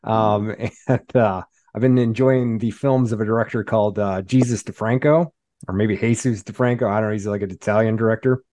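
A man who is a guest on a podcast, talking casually and haltingly with many ums and uhs. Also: on the low side, fairly even intonation, dark tone, dry recording, studio quality. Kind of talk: casual chat.

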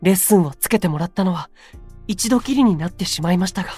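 A man's voice: high voice, expressive, quick pace, darkish tone, slightly rough, soft background music. A man playing a timid, earnest young man in a voice drama, polite, deferential and hesitant. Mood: shy, sincere. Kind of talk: Japanese voice drama acting.

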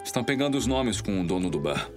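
A serious 1940s Brazilian detective for a noir audio drama. The voice is low and matter-of-fact, set over faint music. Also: male voice, sing-song, fast talker. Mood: somber. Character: serious, observant 1940s police detective partner.

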